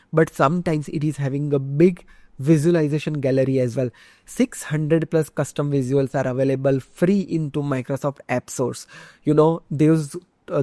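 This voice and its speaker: Indian man explaining software, dry sound. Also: medium pitch, dry recording. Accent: Indian English. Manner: conversational, many fillers like "you know" and "uh". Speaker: instructor. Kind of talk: screen-share tutorial lecture.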